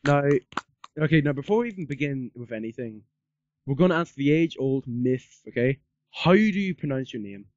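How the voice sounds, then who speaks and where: A man's voice: mid-range voice, expressive, moderate pace, a little mellow, no echo, highs cut off. A man doing a casual podcast interview in a rambling, repetitive way, peppered with filler words. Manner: rambling, repeats himself, peppers talk with "like".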